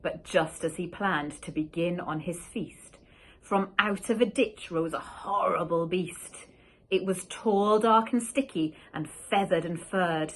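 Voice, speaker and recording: A woman teacher reading a rhyming picture book aloud, slow and expressive. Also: on the low side, low-quality recording.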